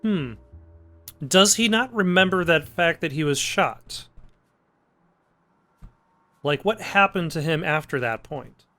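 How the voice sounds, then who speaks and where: Higher-voiced man casually commenting on a game. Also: lively intonation, slow pace, pauses often, pushed and bright, faint music behind. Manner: dry joking, musing aloud. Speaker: let's play host.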